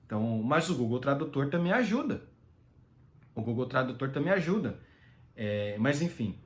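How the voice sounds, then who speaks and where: A man's voice: medium pitch, big pitch swings, normal speed. A Brazilian man giving rambling, casual solo commentary, full of fillers and tag questions.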